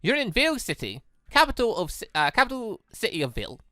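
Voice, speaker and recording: A cheerful young robot girl from a visual novel, as a narrator acts her out, bright and bouncy in pitch. She is polite, precise and formal, and stays matter-of-fact. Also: wildly swooping pitch, fast, no room sound, studio quality. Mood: helpful, precise.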